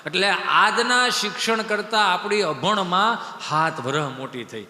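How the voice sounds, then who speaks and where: A man telling folk comedy stories on a live stage, animated, shouting punchlines and laughing mid-sentence. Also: sits high, unhurried. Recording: echoey live stage hall.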